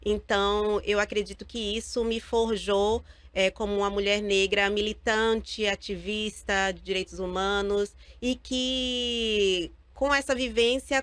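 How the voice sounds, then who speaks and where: A woman's voice: medium pitch, a bit bright, no echo. Female interview guest from Bahia, Brazilian accent, mid-range voice, very dry recording. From Salvador, Bahia, Brazil. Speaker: guest, lawyer and activist. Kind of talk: personal interview talk.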